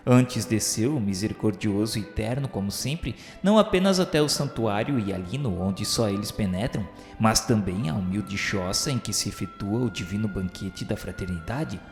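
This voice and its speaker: Solemn Brazilian man narrating in echoing reverb. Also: lowish voice. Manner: reverent, formal, declamatory. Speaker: narrator of a spiritist radio novel. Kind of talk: solemn scripted literary narration. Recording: echoey hall reverb with music. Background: music.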